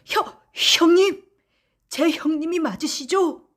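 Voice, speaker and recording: A woman's voice: very high-pitched, takes it slowly, voice pushed up. A woman voicing a kind, timid young male woodcutter, earnest and deferential, in a children's folktale audiobook. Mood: pleading, earnest. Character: kind young male woodcutter, devoted son, timid but quick-witted.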